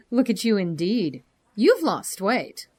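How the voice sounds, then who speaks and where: A woman's voice: medium pitch, huge pitch swings, takes it slowly, a little mellow, heavily acted. An actress playing a frank, dryly humorous female doctor in a naturalistic audio drama. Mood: teasing, surprised. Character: frank, warm-hearted female doctor, mother.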